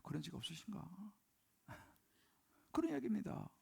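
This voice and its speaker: Male pastor, live sermon in a church. High voice with gravel, emphatic, keeps questioning the pews. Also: big pitch swings, normal speed, dark tone. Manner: emphatic, rhetorical questions to congregation. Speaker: senior pastor. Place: church sanctuary during service.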